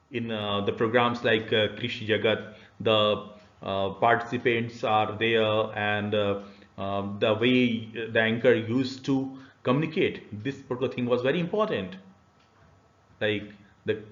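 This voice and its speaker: A middle-aged man with an Indian accent giving an explanatory online lecture, phrasing haltingly with many filled pauses. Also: mid-range voice. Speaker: university lecturer. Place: small indoor room. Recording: dull, boxy, roomy webcam audio.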